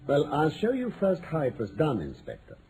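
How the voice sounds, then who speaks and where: An actor playing a confident, precise detective with a British accent, lecturing articulately in vintage radio mystery style. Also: male voice, a little high, huge pitch swings, moderate pace, a crowd in the background. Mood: assured, explanatory. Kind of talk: 1940s-50s radio mystery acting. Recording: noisy old-time radio recording.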